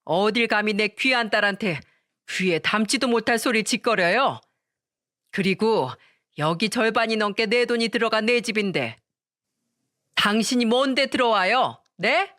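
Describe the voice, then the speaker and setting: A woman's voice: a little high, moderate pace, fairly bright tone, lightly acted. A woman voicing a stern, protective older mother who talks firmly and scolds. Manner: firm, scolding.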